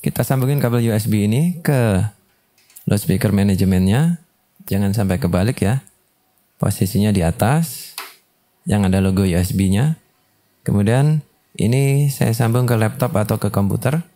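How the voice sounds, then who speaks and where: Mellow-voiced man presenting a tutorial. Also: fairly low pitch, normal speed, long pauses. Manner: instructive, explains step by step, addresses viewers as friends. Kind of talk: casual software demo and product review.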